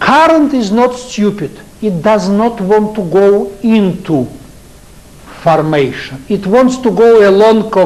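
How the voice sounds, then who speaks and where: With music in the background and audible room echo, a man speaks very slowly at a high pitch with lively intonation. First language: Russian. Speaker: professor. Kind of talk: lecture. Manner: halting.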